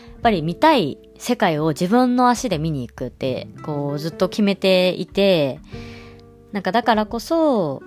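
A young woman hosting a casual solo podcast, chatting loosely with many fillers and frequent little laughs. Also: sits low. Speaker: podcast host.

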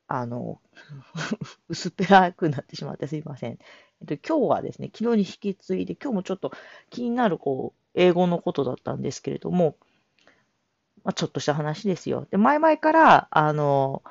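Lively low-voiced woman hosting a solo talk. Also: gravelly, dry recording. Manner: chatty, self-deprecating, laughs often. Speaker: solo audio show host. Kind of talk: casual spoken monologue. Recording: dull lo-fi dry recording.

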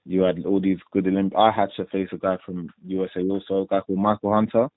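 A young man with a London accent speaks in a low, deep register, easing through his answers with plenty of ums and likes. His voice comes over a tinny, phone-like line. The sound is close and dry. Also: level tone, fast talker, no room sound. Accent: London English. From London, England. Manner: laid-back, rambling with many fillers. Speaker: professional boxer, guest. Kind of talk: casual interview answers.

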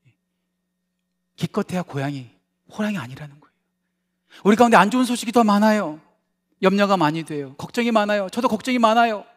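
A man preaching from the pulpit with a notably high voice. He shifts between ringing, emphatic declarations and hushed, confiding asides. He keeps drawing the congregation in with questions. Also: a little fast, long pauses. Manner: animated, swings from loud emphatic lines to soft confiding asides; conversational, asks the congregation questions. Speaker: pastor. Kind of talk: sermon.

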